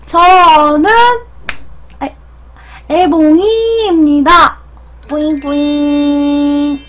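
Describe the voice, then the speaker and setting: A woman's voice: high voice, steady tone, drawn-out words, a bit bright, a little hiss or hum. A young woman hosting an eating livestream, speaking casually in a cutesy aegyo manner with playful squeals. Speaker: mukbang livestream host. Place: small indoor room at home.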